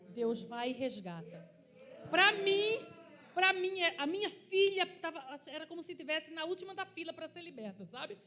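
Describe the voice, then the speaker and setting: A woman pastor with a Brazilian Portuguese accent, preaching a sermon and telling a lively testimony in church. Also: high-pitched. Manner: animated storytelling, acting out quoted cries. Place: church service.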